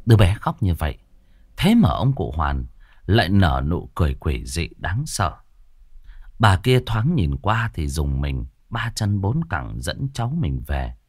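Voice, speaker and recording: A man's voice: sits low, a little mellow, no room sound, studio quality. A man narrating a ghost story with a dramatic storytelling delivery.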